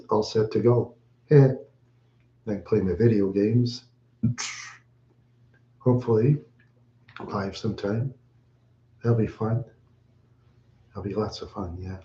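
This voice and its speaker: A man's voice: fairly low pitch, warm tone. A man chatting on a live stream, out of breath, rambling and repeating himself with little chuckles. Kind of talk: casual live-stream chat. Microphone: webcam mic. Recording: echoey room, dull webcam audio.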